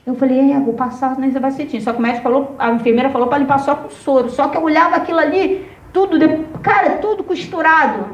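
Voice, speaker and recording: Woman pastor, high voice, heard from a distance with a dull tone, emotional storytelling. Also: fast. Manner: emotional storytelling, addresses listeners by name. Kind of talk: testimony sermon. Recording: roomy, distant, dull sound.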